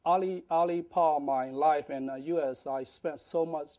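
Guy telling his story, lots of uh and restarts, warm mellow tone, lapel mic in a big kitchen. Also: fairly high pitch, fairly even intonation. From Burma. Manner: halting, many fillers and restarts. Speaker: guest speaker. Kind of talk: lecture about life story. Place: large indoor kitchen.

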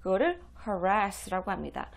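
A woman giving a home English lesson, explaining each phrase and repeating the English lines slowly. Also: mid-range voice, big pitch swings, gravelly. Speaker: English teacher for parents. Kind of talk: slow, deliberate language lesson.

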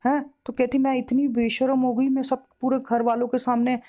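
A woman's voice: high-pitched, level tone, moderate pace, warm tone. A woman, a spiritual counselor, retelling a client's story at length in reported speech, with emotional repetition.

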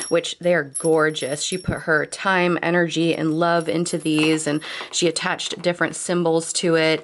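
A young woman with a congested cold voice, chattily narrating a tour of her room in a casual, thorough way. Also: on the low side. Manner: chatty, thorough, laughs often. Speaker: occult vlogger. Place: home bedroom.

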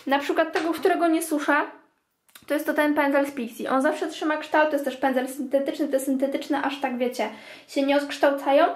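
A woman's voice: high-pitched, fairly even intonation, fairly quick, echoey room. A young woman chatting casually to her viewers while cleaning her bathroom and washing makeup brushes. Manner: chatty, addresses viewers as "girls". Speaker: beauty vlogger. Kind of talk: casual clean-with-me vlog narration. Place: home bathroom.

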